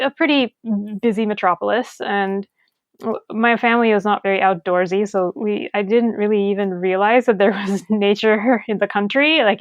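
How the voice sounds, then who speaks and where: A woman's voice: mid-range voice, smooth, no room sound. A chatty woman in her forties from Sri Lanka, talking as a guest with lots of fillers and restarts. The sound is dry and a bit muffled, like a home recording. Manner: chatty, many fillers and restarts, laughs easily. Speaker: guest elephant researcher. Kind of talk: casual interview answers.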